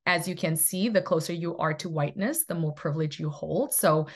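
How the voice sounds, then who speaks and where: A woman's voice: deep voice, brisk, slightly rough. A middle-aged woman from South Africa giving a recorded lecture from home over webcam, earnest and thoughtful, with many fillers and restarts. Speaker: presenter in a university research toolkit.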